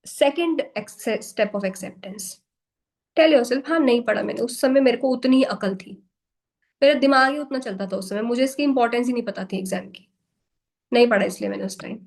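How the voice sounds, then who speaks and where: A woman's voice: on the high side, moderate pace, gravelly, low-quality recording. A young woman from India hosting an online workshop in a frank, casual talk, mixing Hindi with Indian-accented English. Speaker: workshop host. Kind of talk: casual motivational talk to a live online class. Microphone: video call.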